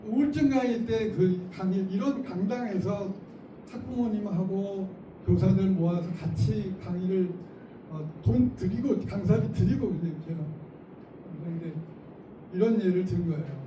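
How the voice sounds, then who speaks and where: A middle-aged man giving a lively lecture to teachers in a school auditorium, often acting out classroom lines and laughing. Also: high voice, unhurried, muffled recording. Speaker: teacher trainer. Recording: echoey hall, mic from far off, noisy.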